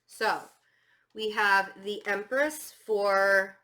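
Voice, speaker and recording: A woman giving a casual tarot reading, her voice hoarse and stuffy, chatting with many fillers and restarts. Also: mid-range voice, drawn-out words, pushed and bright. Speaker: tarot reader.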